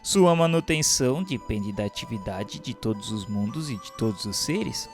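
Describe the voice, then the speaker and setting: A man narrating a spiritual text from a script in a solemn, formal, oratorical and measured way. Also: lowish voice, expressive. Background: music.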